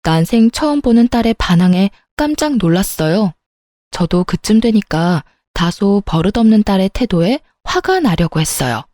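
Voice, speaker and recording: Mellow, dry-voiced woman narrating a story. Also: medium pitch, moderate pace, dry recording. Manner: steady storytelling, reads dialogue aloud.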